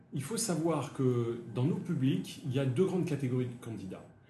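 The speech moves at a fairly slow pace with lively intonation. Noticeable background noise and audible room echo are present. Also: man. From France, Seine-Saint-Denis (Paris suburbs). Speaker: social entrepreneur, recruitment agency founder. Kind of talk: interview on a live show. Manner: hesitant, with frequent repetitions.

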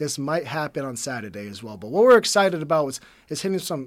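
A man talks at a fairly quick pace and a fairly high pitch, in an ordinary speaking voice. The recording is very clean with a silent background. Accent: American. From Boston, Massachusetts. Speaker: track and field coach. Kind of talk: interview.

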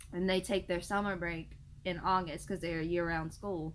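Here a woman with an American accent talks at a fairly quick pace and a fairly low pitch. She has an unremarkable speaking voice. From US Midwest. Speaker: podcast co-host. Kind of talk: casual chat.

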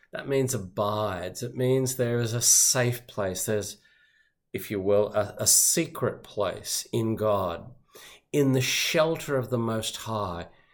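Very slowly and with ordinary pitch variation, a man speaks in an Australian accent. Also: medium pitch for a man, very clean recording, silent background. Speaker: pastor. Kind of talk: sermon.

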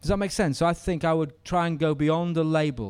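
A man with a Yorkshire accent and a fairly high pitch at a moderate pace, on a very clean recording with a silent background. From northern England, Yorkshire. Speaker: conference speaker. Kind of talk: lecture. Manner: halting.

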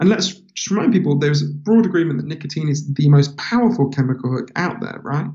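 A man with a fairly high, somewhat breathy voice speaks with ordinary pitch variation. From London, Edgware. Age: 40s. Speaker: author. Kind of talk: casual interview.

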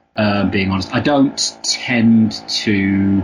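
A man talks over noticeable background noise. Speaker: comics writer. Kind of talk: casual interview. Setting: phone call. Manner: halting, many fillers.

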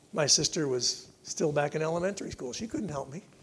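Lively intonation runs through speech delivered at a fairly quick pace. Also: man. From upstate New York (Rochester). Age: 60s. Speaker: pastor. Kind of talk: sermon. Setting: church.

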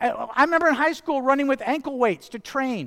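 With an American accent, a man talks at a fairly quick pace. His pitch is extremely high. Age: 50s. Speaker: pastor. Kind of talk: sermon. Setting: church.

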